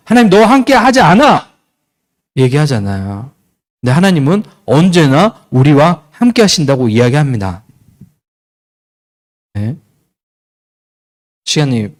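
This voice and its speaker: Young male youth pastor, high and lively, preaching to teens with questions and acted scenes. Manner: asks the students questions and acts out short scenes. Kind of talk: youth sermon.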